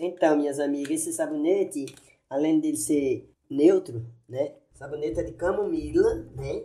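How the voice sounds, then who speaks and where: Speaking at a fairly slow pace, a woman's voice shows big swings in loudness. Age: 60s. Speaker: host's mother. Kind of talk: casual chat.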